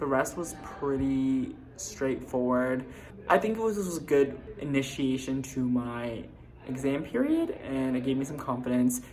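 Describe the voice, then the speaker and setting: A man of medium pitch at a fairly slow pace, with ordinary pitch variation, audible room echo and noticeable background noise. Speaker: pharmacy student vlogger. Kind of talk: casual vlog talk to camera.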